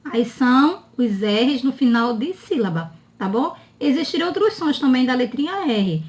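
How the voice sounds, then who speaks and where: A woman teaching a children's spelling lesson in a slow, drawn-out, sing-song voice, often checking in with her listeners. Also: high voice, expressive.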